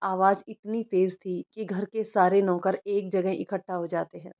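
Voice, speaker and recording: A woman narrating an emotional family story in a soft, even storytelling voice. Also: mid-range voice, normal speed, dull audio. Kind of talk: scripted narration.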